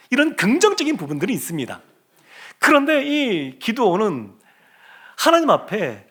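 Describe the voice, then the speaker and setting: A man's voice: high-pitched, bright, forceful tone. A man, a pastor, preaching a sermon and acting out the words of the people he quotes. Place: church sanctuary.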